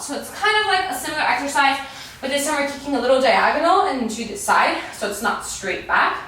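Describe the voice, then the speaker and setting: A very echoey, distant recording of a woman coaching a workout. Her voice sits a little high, and she is peppy and encouraging. She gives casual instructions while exerting herself. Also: a bit bright. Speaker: fitness coach leading a workout. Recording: echoey room, distant microphone.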